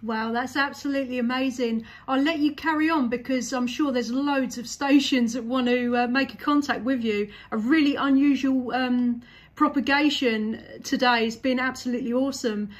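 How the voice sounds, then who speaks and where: High-voiced woman on CB radio. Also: steady tone, normal speed. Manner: enthusiastic. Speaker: CB radio operator. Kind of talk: casual radio contact chat. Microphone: desk CB microphone.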